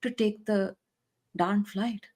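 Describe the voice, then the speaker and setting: A woman's voice: medium pitch, steady tone, slow, a little mellow, breathy edge. A woman co-hosting a podcast, reacting casually in an incredulous, emphatic way. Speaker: podcast co-host. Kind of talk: casual commentary, reacting to played calls.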